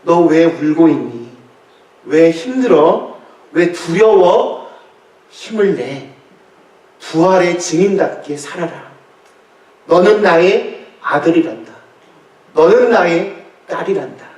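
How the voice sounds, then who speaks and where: A man pastor voicing a gentle, comforting risen Jesus, slow, soft and soothing. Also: fairly high pitch, animated. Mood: tender comfort. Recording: echoey church, voice from far off.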